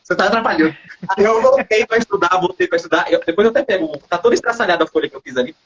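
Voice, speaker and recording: A man with a Brazilian Portuguese accent tells a story as an interview guest, animated, acting out quoted dialogue and often adding tag questions. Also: high-pitched, very fast, breathy edge, muffled recording. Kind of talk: casual storytelling in a livestream interview.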